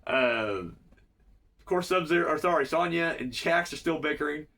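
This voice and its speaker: A man's voice: fairly high pitch, normal speed, gravelly, pushed and bright, recorded from a distance. A man with a cold recapping a cartoon episode in a rambling, profane, casual way. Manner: rambling, profane, filler-heavy. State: has a cold.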